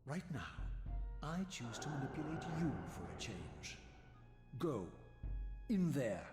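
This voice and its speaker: An actor playing a proud, scornful undead spirit of vengeance in a video game, speaking with sardonic, theatrical precision. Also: male voice, medium pitch, very animated, slow. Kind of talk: dramatic video game voice acting. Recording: echoey long reverb, game music behind.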